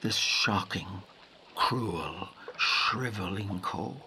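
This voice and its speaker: An actor playing a grave, intense narrator in a literary audio drama, measured and full of dramatic pauses. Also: male voice, low voice, gravelly, bright, forceful tone, a little hiss or hum, full character voice. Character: grave narrator haunted by a wild lake memory.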